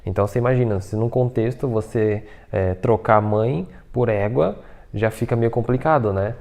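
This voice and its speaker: A man's voice: lowish voice, normal speed, creaky, a little mellow. A man, patiently explaining pronunciation in a casual video lesson, checking in with "tá?" and "né?" as he goes. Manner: explains patiently, many fillers like "tá?" and "né?". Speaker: Mandarin teacher.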